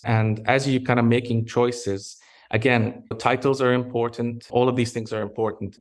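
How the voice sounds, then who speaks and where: Low-voiced, reflective middle-aged man from Egypt. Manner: measured, reflective, with frequent restarts. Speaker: pharmaceutical executive guest. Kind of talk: interview conversation.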